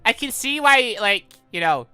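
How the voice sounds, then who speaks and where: Very animated, bright-voiced gushing gamer. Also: medium pitch, measured pace, smooth, no room sound. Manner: gushing, exclaiming, rambling. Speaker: gaming channel host. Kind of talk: excited playthrough commentary of a visual novel, reading dialogue aloud. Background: music.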